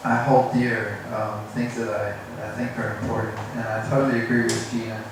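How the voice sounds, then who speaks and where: A man's voice: on the low side, level tone, a little fast. A middle-aged man from South Africa tells a personal story to a group in a hesitant, self-deprecating way. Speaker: English teacher. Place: indoor room at a teachers' workshop. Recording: echoey room, distant mic, noisy.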